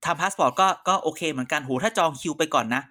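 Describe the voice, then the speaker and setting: A woman's voice: sits low, pushed and bright. Blunt teasing woman chatting. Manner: blunt, teasing, quick to argue. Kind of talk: casual chat among friends.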